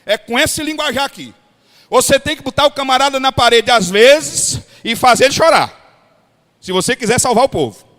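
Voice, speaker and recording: A pastor from Ceará with a Cearense Brazilian accent, preaching a blunt, folksy sermon to other pastors. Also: male voice, very high voice, lively intonation, normal speed, fairly bright tone. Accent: Cearense Brazilian Portuguese. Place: large hall at a pastors' retreat. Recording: long hall reverb.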